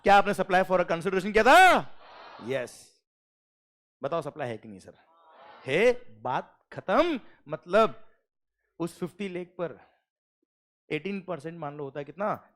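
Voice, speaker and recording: A man's voice: on the high side, a bit bright. A middle-aged man teaching a class, telling a story and acting out its dialogue.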